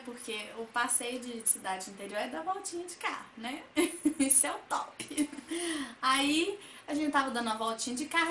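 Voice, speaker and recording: A woman's voice: sits high, a little hiss or hum. A young woman telling funny personal stories in a casual vlog, often calling out to her viewers. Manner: chatty, addresses viewers as "gente", acts out quotes loudly. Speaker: vlogger. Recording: echoey room, faint ambience.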